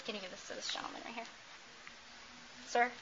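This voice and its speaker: A woman's voice: fairly high pitch, steady tone, a little fast, dull audio, noisy background. A woman presenting an interactive talk, quizzing the audience and doing playful, teasing crowd work. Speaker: workshop presenter.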